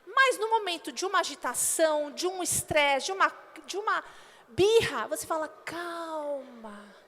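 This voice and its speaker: A woman pastor preaching a sermon and acting out little quoted dialogues in an animated way. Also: extremely high pitch, moderate pace. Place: church hall. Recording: long hall reverb.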